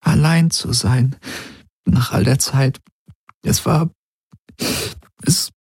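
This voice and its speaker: A man's voice: medium pitch, steady tone, slow pace, a little mellow, husky, dry recording, pitched above the performer's own voice, full character voice. A man voicing Ylana, a grieving young woman close to tears, in a trembling, pleading voice, in an audiobook. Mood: tearful.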